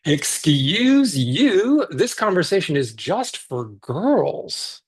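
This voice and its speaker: Husky guy reading his kids book on a video call, voice jumps all over. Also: on the high side, drawn-out words. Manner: lively, expressive storytelling. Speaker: children's book author. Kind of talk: reading a picture book aloud.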